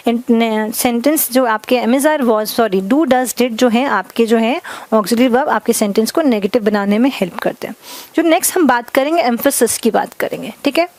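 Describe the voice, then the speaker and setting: Fairly high-voiced woman teaching grammar. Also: darkish tone, dry recording. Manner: explains slowly with many checks of understanding; mixes Hindi and English. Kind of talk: classroom lesson.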